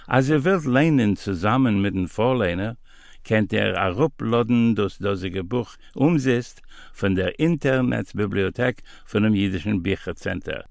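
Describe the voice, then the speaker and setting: A man hosting an audiobook series, reading a scripted introduction in a brisk, clear presenter style. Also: fairly low pitch, dry recording, clean studio sound. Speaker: series host. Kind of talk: scripted announcement.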